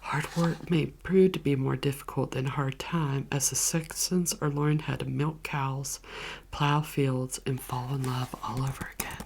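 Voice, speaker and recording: Low creaky whispering woman, keyboard clicks. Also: steady tone, a little slow, slight background noise, rough recording. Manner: soft whispering, chatty and gushing. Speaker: ASMR vlogger. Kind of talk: whispered ASMR movie recommendations. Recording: keyboard clicks and typing behind voice.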